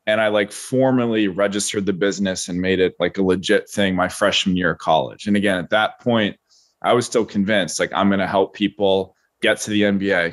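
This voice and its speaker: Low-voiced young man, dry deadpan humor. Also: no room sound. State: a little tired. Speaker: guest, online nutrition coach. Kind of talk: casual interview chat.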